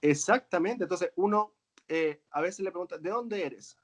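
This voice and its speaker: Earnest man, fairly high voice. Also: moderate pace. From Chile. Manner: earnest, tags phrases with "¿verdad?". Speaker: guest, author and coach. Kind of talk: reflective conversation.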